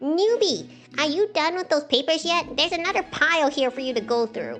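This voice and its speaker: Clear music plays behind a put-on character voice that moves at a fairly quick pace. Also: woman, high pitch for a woman. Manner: gruff, unpleasant, bossy.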